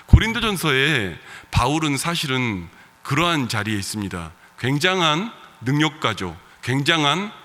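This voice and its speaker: A male pastor with a regional Korean dialect accent delivers a sermon to his congregation in a relaxed, conversational manner, slipping in soft laughs and fillers. His medium-pitched voice is bright and forceful. It rings out with the long reverb of a church sanctuary.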